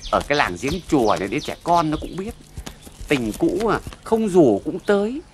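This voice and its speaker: A sly, gossiping village woman from a TV drama, needling and fond of proverbs. Her speech lilts with lively swings of pitch. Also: normal speed, slight background noise. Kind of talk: TV drama acting.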